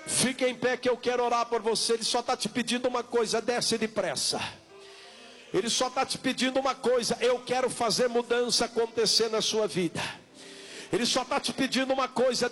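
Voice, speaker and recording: Male Brazilian evangelical pastor, high-pitched voice, insistent and repetitive altar-call delivery with drawn-out words. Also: a bit bright. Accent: Brazilian Portuguese.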